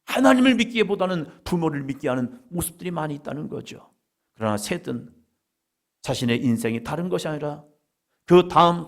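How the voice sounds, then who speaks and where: A man preaching a sermon as pastor in a church, building to emphatic, repeated appeals. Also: mid-range voice. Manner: emphatic preaching with rising fervor and repetition.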